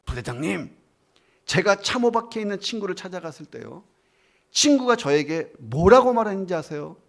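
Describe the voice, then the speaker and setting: Man playing a dying young soldier, earnest, pleading, gravelly. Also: high-pitched, big pitch swings, moderate pace, a bit bright, voice pushed up, full character voice. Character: dying young male soldier speaking to his commander.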